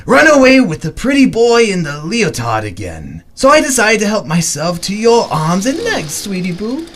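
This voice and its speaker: An actor playing a gleefully deranged clown villain in an audio drama, theatrical and sing-song, mock-affectionate. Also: male voice, high voice, wildly swooping pitch, a bit bright, heavily acted. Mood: gleeful menace. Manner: theatrical, sing-song, drawn-out, lurching from murmurs to shrieks.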